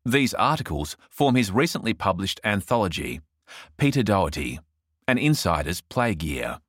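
Low, lively man reading aloud. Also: moderate pace, slightly rough, dry recording, studio quality. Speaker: article reader. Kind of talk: reading a feature article aloud.

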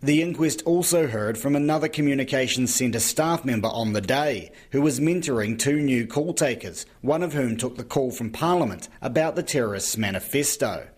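New male court reporter, husky voice, even scripted news read. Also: medium pitch, moderate pace, few pauses.

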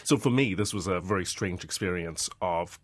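A man's voice: deep voice, normal speed, dry recording. A man from Hong Kong, a journalist being interviewed, answering in a reflective, explanatory way. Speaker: journalist guest.

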